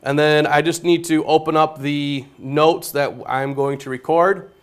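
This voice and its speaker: A man who teaches geometry, walking through how he records video notes, with a naturally loud voice and a plain step-by-step way of explaining. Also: on the high side, level tone, unhurried, smooth. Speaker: high school geometry teacher. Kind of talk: classroom technology demonstration.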